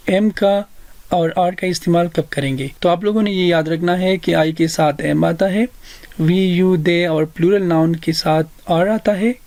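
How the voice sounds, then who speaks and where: A man with a South Asian accent giving a language lesson as a teacher, deliberately explaining and repeating phrases for learners. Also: high-pitched, darkish tone, no room sound. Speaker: English teacher.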